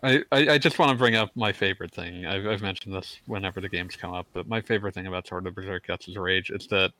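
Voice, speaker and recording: A man's voice: deep voice, quick pace, bright, forceful tone, no room sound, poor audio. A man co-hosting a casual gaming podcast, rambling and stumbling over his words, often breaking into laughs. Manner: rambling, stammers on restarts, laughs mid-sentence. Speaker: podcast co-host.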